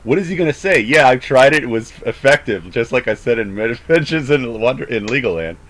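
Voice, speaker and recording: A man's voice: medium pitch, animated, a little fast, fairly bright tone. A man chatting casually, rambling with frequent stammers and false starts. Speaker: host of a call debrief. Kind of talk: casual chat.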